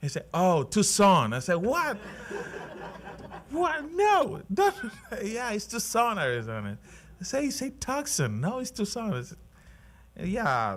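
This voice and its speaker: With a non-native accent, a man speaks in very wide pitch swings and long, frequent pauses while music plays in the background. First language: not English. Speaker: Bible study teacher. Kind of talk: Bible study teaching. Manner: halting.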